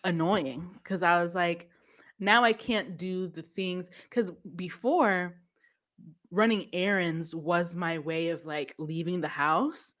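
A woman's voice: lowish voice, slow pace, a bit bright. A woman, chatting casually as a podcast guest, laughing often and trailing off mid-sentence. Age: 30s. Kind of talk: casual chat.

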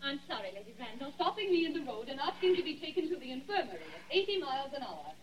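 An actress playing a flustered driver in an old radio drama, complaining rapidly and in exasperation, heard from off-mic. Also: female voice, high voice, big pitch swings. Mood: exasperated. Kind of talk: 1940s radio acting. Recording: distant, dull vintage radio recording with crowd.

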